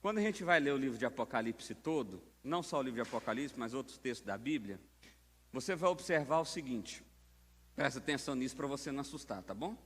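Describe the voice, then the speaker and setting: A man's voice: mid-range voice, lively intonation, fast, a bit bright, slightly rough. A man with a Brazilian accent, a pastor preaching a sermon in a conversational way, throwing out rhetorical questions and breaking into sudden emphatic rises. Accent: Brazilian Portuguese. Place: church sanctuary. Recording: long hall reverb of a church.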